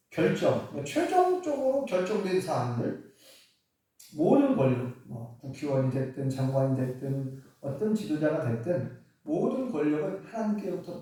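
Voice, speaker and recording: A man, a pastor, preaching a sermon in an animated storytelling way with chuckling asides. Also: a little high. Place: church sanctuary. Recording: echoey church hall from far off.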